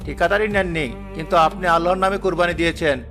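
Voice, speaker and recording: Man playing a young villager, earnest, quick, high, music behind. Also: fairly even intonation. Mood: reproachful. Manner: earnest, pleading. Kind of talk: cartoon voice acting. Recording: music underneath.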